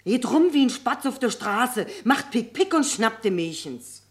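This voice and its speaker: A scornful street gossip played by an actor with a very lively, swooping mid-pitched voice. The talk is colloquial and mocking, in radio drama style. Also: normal speed, lightly acted. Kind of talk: radio play dialogue.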